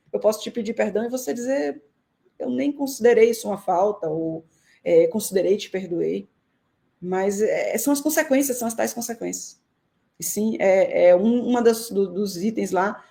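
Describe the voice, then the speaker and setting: A guest researcher from Salvador, with a Northeastern Brazilian accent, answers live-stream interview questions over a video call. She is thoughtful and measured, hesitating often, and her voice sits a little high with a warm tone.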